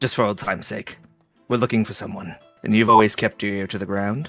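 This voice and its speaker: A man puts on a raspy character voice, fairly low in pitch with fairly even intonation, talking at a very fast pace as faint music plays in the background. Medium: actual play.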